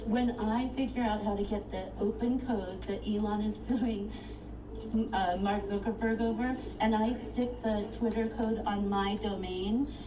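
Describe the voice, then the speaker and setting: A woman's voice: mid-range voice, steady tone, a little slow. A woman filing her own case at a courthouse clerk's counter, complaining in an agitated, indignant rush. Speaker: self-represented litigant filing a case. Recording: echoey, distant, muffled and noisy.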